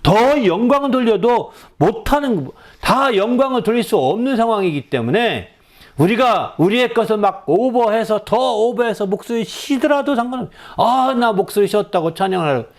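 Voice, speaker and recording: A male pastor preaching a sermon, often prompting the congregation with quick questions and shifting between soft asides and raised exclamations. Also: very high-pitched, expressive.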